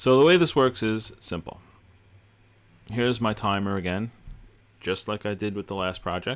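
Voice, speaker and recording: With an American accent, this man keeps a moderate speed. The rise and fall of his pitch is ordinary. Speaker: gaming video creator. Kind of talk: gameplay tutorial commentary. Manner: casual, halting with many fillers.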